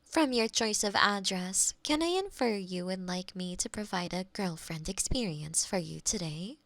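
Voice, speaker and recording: A woman's voice: mid-range voice, lively intonation, a bit bright, dry recording. A woman playing a polite, literal AI girlfriend in a scripted roleplay, speaking formally and helpfully, close on a binaural microphone. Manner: formal, measured, robotically helpful. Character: polite female AI girlfriend companion, literal, eager to please. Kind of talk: scripted roleplay audio, ASMR.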